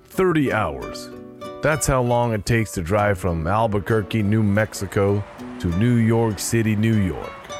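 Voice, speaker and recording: Sardonic low-voiced male narrator over music. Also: expressive, a little slow. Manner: dry, sardonic. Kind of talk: first-person audio drama narration.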